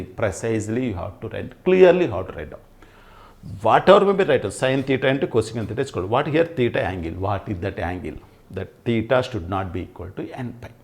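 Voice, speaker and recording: A maths teacher in middle age, Telugu-accented, works through a lesson at an indoor whiteboard while wearing a lapel mic. His mid-range voice has a darkish tone. He keeps stressing phrases by repeating them and questions himself aloud.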